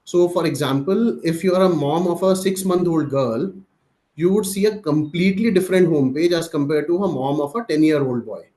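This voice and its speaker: Higher-pitched Indian man presenting business results. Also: fairly quick, warm tone, poor audio. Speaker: company executive presenting. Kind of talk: business presentation on earnings call.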